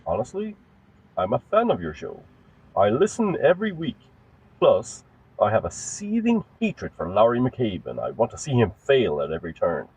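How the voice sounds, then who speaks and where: Man voicing smug low-voiced money man, lively delivery. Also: normal speed, breathy edge, no room sound, exaggerated voice, poor audio. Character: smug slow-talking man posing as a rich benefactor.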